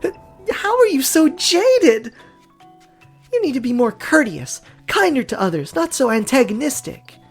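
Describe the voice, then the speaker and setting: A woman's voice: high voice, big pitch swings, measured pace, slightly rough, faint music behind, heavily acted. A woman voicing an earnest young foreign woman in a story game, chatty, easily flustered and prone to stammering. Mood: flustered, indignant. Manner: stammering, indignant when teased. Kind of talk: dramatic character voice reading of a story game.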